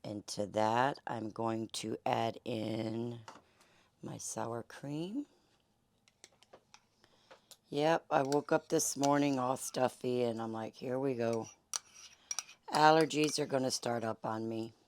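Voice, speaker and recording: A woman host with a Southern accent and a hoarse, fading voice, chatting folksily through a home cooking demonstration. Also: a bass voice, steady tone, slow pace, long pauses, a little mellow, slight background noise. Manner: chatty, folksy, many fillers. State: hoarse, losing her voice. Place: home kitchen.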